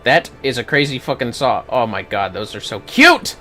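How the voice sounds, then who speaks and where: Animated man livestreaming a game. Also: medium pitch, normal speed, soft background music. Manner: irreverent, swearing, jokey asides. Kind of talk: casual play-by-play commentary, reading dialogue aloud.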